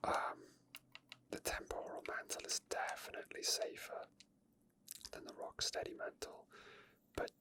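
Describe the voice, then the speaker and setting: A person whispering softly, very close to the microphone, in unscripted ASMR game commentary and chat. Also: measured pace, long pauses. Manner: soft whispering throughout. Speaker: ASMR gaming video creator. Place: indoor gaming setup at a computer. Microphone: microphone very close to the mouth.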